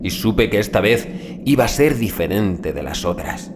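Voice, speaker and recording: A man reading a scripted horror story as an audiobook narrator, in a grave, deliberate dramatic manner with drawn-out phrase endings. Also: lowish voice, lively intonation, noisy background. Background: music bed.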